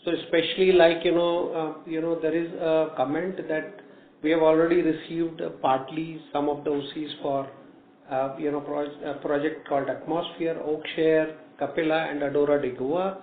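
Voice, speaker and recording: Man, fairly high voice, hesitant executive answers, tinny line, faint noise. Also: little pitch movement, moderate pace. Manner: hesitant, peppered with "you know". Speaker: company executive. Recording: echoey noisy phone line.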